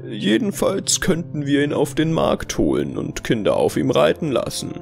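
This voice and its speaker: A man's voice: on the high side, huge pitch swings, normal speed, gravelly, darkish tone, heavily acted. A man playing a proud, delusional Santa in an audio horror drama, theatrically friendly and insistent. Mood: falsely friendly. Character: delusional, affable, proud self-believed real Santa man. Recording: music behind the voice.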